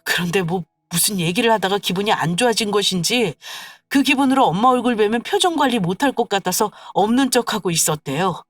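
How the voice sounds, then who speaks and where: A woman's voice: mid-range voice, animated, fairly quick, no echo, close to an everyday voice. A woman voicing a grown son who firmly reproaches his wife, in a scripted story radio drama. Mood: stern. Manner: firm and reproachful.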